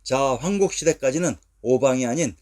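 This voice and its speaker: A man reads a scripted history lecture at a steady pace. He sets out each place name and its source one at a time, in a measured way. His pitch sits in an ordinary middle range. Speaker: narrator of a history lecture video.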